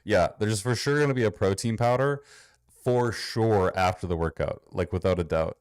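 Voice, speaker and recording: A man's voice: lowish voice, normal speed, darkish tone, smooth, dry recording, clean studio sound. A man with a Minnesotan accent, a fitness coach giving blunt, sarcastic reaction commentary and swearing freely.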